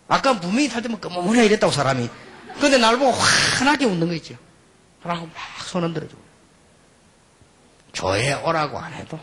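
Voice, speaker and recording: A middle-aged male preacher with a high, lively voice that rises and falls widely. There is a slight husky edge to his tone. He tells anecdotes, dropping into quiet asides and then pressing his point with emphatic bursts. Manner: animated storytelling, mixes quiet asides with emphatic outbursts. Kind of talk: sermon with anecdotes.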